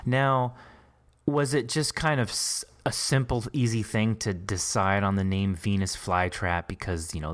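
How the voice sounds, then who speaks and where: Low-voiced man hosting a casual interview. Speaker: podcast host and interviewer. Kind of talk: casual behind-the-scenes interview.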